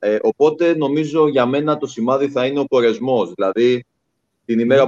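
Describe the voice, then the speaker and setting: A man talks at a fairly quick pace with fairly even intonation, in an ordinary speaking voice. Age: 30s. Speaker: basketball player. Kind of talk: casual chat.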